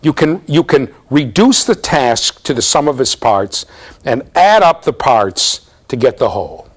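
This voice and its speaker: A man in his fifties lectures to a room of students, his voice sitting in an ordinary middle range. He explains with animated energy and keeps asking "okay?" and "right?" to check that the class is following. The sound is picked up from a camera in a bookshelf-lined classroom. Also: medium pitch, unhurried, breathy edge. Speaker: university lecturer.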